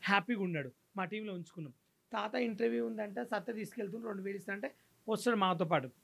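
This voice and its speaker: Gravelly, high-pitched, fast man. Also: fairly bright tone. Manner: aggrieved, scornful storytelling. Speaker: interviewee. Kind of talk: aggrieved interview complaint.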